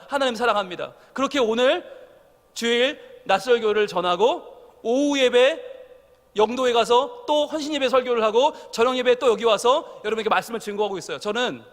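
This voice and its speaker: Middle-aged male pastor, animated storyteller, high bright voice, long hall reverb. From South Korea. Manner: animated storytelling, acting out family quotes. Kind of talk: sermon. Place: church sanctuary.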